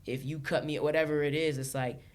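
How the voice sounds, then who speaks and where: A woman from Los Angeles, a podcast guest chatting casually, animated, laughing often and restarting her sentences. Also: low-pitched, fairly quick. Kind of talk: casual chat.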